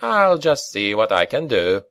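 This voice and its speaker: A man voicing a calm, wry Scottish mercenary with a lilting burr in an audiobook. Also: fairly low pitch, measured pace, no room sound. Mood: wary, thoughtful.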